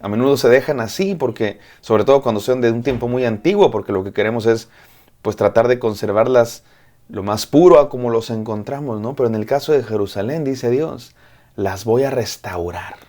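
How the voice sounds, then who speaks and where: A man with a medium-pitched, slightly mellow voice speaks fairly quickly. He is a pastor delivering a devotional sermon, addressing the listener directly and repeating phrases in rhythmic lists.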